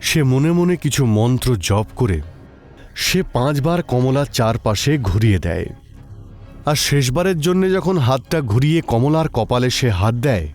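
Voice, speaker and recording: A man giving a suspenseful, expressive narration of a scripted horror story. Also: mid-range voice.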